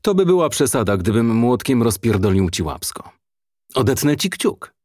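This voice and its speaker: A man voicing a brutal, menacing male police inspector who taunts in a lowered, mocking voice, in an audiobook reading. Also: very animated, normal speed, darkish tone, no room sound, clean studio sound. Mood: taunting.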